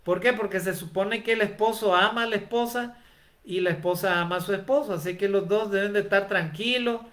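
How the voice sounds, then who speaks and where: A man with a high, fairly bright voice preaches a sermon at a brisk pace. He asks rhetorical questions, often tagging them with "¿verdad?", and addresses his listeners as brother.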